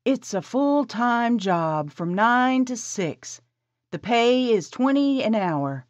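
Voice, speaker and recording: A woman voicing a calm, friendly woman employer who explains things slowly. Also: on the high side, no echo, voice pushed up. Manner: slow, measured, explaining. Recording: slightly dull dry recording.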